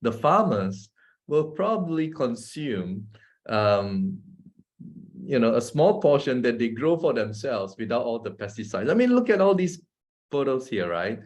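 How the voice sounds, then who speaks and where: A Malaysian man with a Malaysian English accent gives a casual, chatty talk to an audience as a presenter. His mid-range voice is sing-song, unhurried and a little mellow, and he often asks "right?" and laughs between points.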